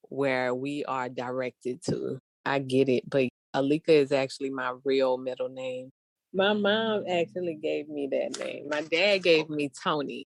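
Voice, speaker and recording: A woman's voice: sits low, dry recording. Talkative woman. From born in New York, raised in New Orleans. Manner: warm, talkative, quick bursts of speech. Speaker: guest, rapper. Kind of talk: casual interview over a call. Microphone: remote call.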